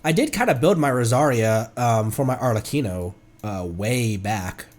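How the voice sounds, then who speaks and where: A man's voice: medium pitch, expressive, moderate pace, a little mellow. A man livestreaming a game with casual chat and reactions, rambling, playful and sweary. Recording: background music under the voice.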